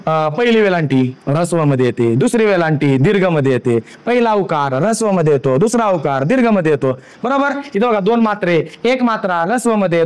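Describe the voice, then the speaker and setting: A man teaching a grammar lesson for exam preparation, repeating points and often checking that students understand. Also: sits high. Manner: repetitive, checks understanding with frequent questions.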